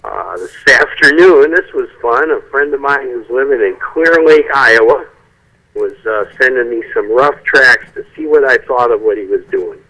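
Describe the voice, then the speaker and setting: Speaking over a speakerphone line that keeps breaking up, a songwriter chats casually as a guest in a phone-in interview. His medium-pitched voice is expressive, pushed and bright at normal speed, and he rambles a bit and restarts sentences.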